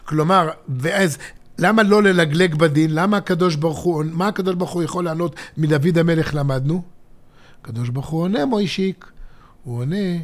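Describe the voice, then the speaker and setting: High-voiced middle-aged man teaching scripture. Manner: expressive, swinging from emphatic to hushed and intimate. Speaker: podcast co-host, father. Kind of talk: religious teaching talk.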